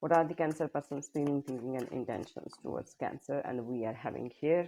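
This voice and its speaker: She speaks at a fairly quick pace with a non-native accent. This woman's voice is very deep and low in pitch. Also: ordinary pitch variation. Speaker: tarot reader. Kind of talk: tarot reading to camera.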